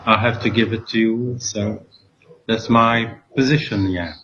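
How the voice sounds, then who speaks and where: A man from Belgium introducing himself on a call, hesitant and full of pauses. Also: fairly low pitch, fairly even intonation, a bit bright, slight background noise. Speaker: workshop participant. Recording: dull lo-fi call audio.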